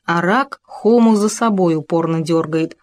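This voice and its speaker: A woman narrating a children's story in a lively, expressive reading voice. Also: fairly low pitch, a little slow.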